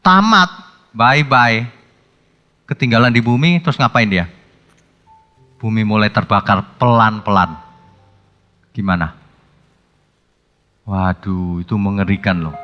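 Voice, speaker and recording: Bright-voiced pastor in echoing church. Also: male voice, fairly low pitch, dull audio. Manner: conversational, colloquial preaching with sudden animated outbursts. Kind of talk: sermon. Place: church hall. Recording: long hall reverb with faint music.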